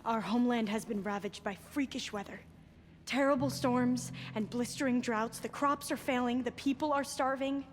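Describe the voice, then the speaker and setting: A woman's voice: on the high side, fairly even intonation, normal speed, slight background noise, close to an everyday voice. A woman playing an earnest, reverent young tribal scholar in a video game, with formal and hesitant phrasing. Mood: earnest, grave. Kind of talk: dramatic video game acting. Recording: loud game music behind.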